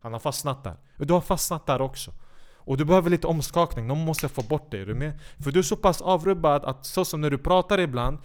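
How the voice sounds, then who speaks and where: A man delivering a heated, profane rant, sarcastic and scolding as he talks straight at the people he is attacking. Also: on the high side. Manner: angry, sarcastic, scolding, swears a lot. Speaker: commentator.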